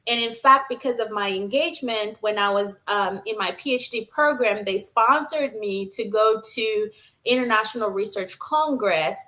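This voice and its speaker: A woman's voice: mid-range voice, moderate pace, pushed and bright. A woman from Zambia, a nurse scientist, telling her career story in an earnest, enthusiastic conversational way. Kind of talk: conversational interview.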